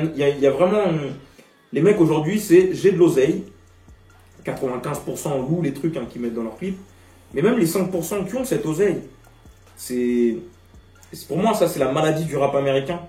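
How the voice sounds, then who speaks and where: A man's voice: a little high, darkish tone. Man, from French Guiana, rapper interview, emphatic and outspoken, distant mic, echoey room. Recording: roomy echo, distant mic, faint music.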